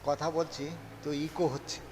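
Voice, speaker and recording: A man vlogging on foot, calmly describing a large roofed riverside shelter, his voice echoing in the space. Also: on the high side, slight background noise. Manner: calm, unhurried describing of surroundings. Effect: echo from a big open-sided roofed shelter. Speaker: pilgrim vlogger. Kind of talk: walking travel vlog narration.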